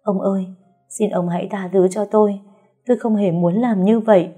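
A woman's voice: medium pitch, fairly even intonation, moderate pace, warm tone, husky, soft background music, natural voice. A woman voicing the scheming first wife of a wealthy house, tearful and bitter. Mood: begging.

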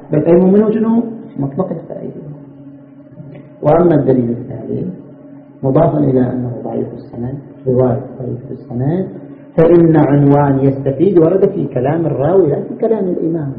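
A high-voiced man teaches jurisprudence, working through each point and asking himself rhetorical questions. The sound is thin and phone-like, with echo and a faint hiss behind it. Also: vocal fry. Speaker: religious scholar teaching jurisprudence. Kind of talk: seminary lecture. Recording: tinny, echoey lecture recording with faint noise.

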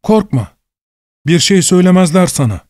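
A man voicing a calm, cheerfully defiant male prisoner in a read-aloud story, with a mocking, unhurried manner. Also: high voice, no room sound, studio quality, pitched above the performer's own voice. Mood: teasing. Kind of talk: audiobook character reading.

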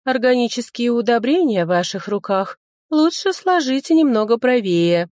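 A woman's voice: fairly high pitch, lively intonation, moderate pace, a little mellow, no echo, clean studio sound, pitched above the performer's own voice, natural voice. A woman voicing a sinister, mockingly polite parasite creature in a storybook reading. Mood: menacing.

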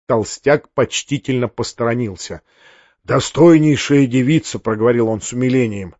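A man narrating a classic novel as an audiobook, telling it in a lively way. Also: mid-range voice, fairly quick, dry recording, highs cut off. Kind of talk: scripted narration.

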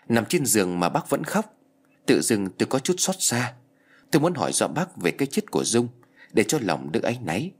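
A man narrating a ghost story in a slow, grave storytelling voice. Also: on the low side, slightly rough.

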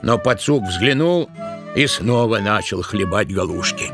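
A man narrating a tale for an audio play in an expressive, measured storytelling manner. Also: on the low side, music in the background.

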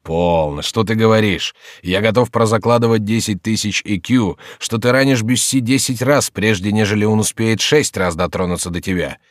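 A man's voice: on the low side, normal speed, hardly any pauses, no echo, studio quality, lightly acted. Man doing a petulant, capricious king. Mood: bantering. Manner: loud, commanding, whiny. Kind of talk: audiobook character voice.

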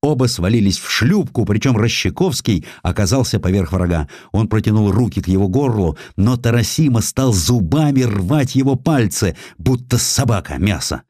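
A man with a low, dark-toned voice reads historical prose in a dramatic storytelling style. His delivery is measured and expressive. The sound is close and very dry, as from a studio microphone. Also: no room sound. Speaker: audiobook narrator.

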